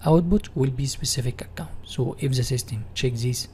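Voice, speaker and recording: There's slight background noise as a man with an Egyptian Arabic accent teaches software, reading content aloud and rephrasing it in non-native English. His pitch is medium and his pace moderate.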